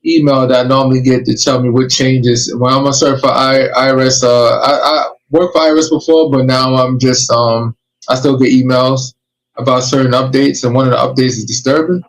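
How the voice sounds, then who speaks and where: A man's voice: mid-range voice, poor audio. A man hosting a podcast, giving emphatic, streetwise warnings and advice in casual chat. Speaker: podcast host.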